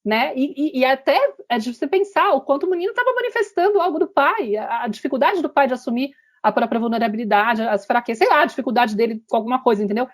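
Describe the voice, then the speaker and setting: A woman hosting a podcast, retelling a story in a lively, animated way and acting out the quotes. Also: high-pitched, fast talker, hardly any pauses. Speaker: podcast host. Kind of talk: casual podcast chat.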